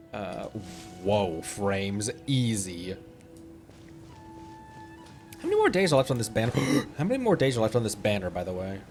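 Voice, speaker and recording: Young man, livestream chatter, rambling and punny, laughs a lot, voice that swings up and down, faint music behind. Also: medium pitch. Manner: rambling, punning, laughs often. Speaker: streamer. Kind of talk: casual gaming livestream chat.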